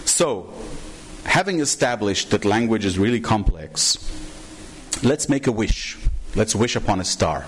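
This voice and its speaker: A man's voice: fairly low pitch, expressive, measured pace, slight background noise. A middle-aged man giving a conference talk from a podium in a large hall, chatty and enthusiastic, often asking the audience "right?". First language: Hebrew. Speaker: conference trainer. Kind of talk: conference presentation.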